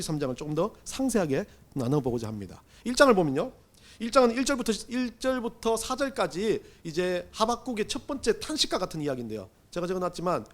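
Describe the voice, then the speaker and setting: A male pastor preaching a Sunday sermon in a high, bright-pitched voice that leaps up and down with lively, sweeping intonation. He talks to the congregation conversationally, firing off rhetorical questions, then drops to a hush before rising again. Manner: swings between loud emphasis and hushed asides.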